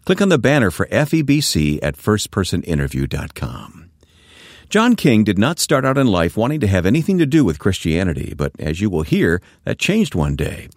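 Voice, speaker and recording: A man hosting a Christian radio interview program, reading an introduction and then asking questions in a measured broadcaster's manner. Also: fairly low pitch, big pitch swings, dry recording, studio quality.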